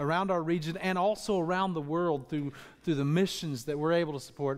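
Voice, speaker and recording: Ordinary pitch variation marks the speech of a man. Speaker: minister. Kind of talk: sermon. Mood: warm, grateful. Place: stage. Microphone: headset.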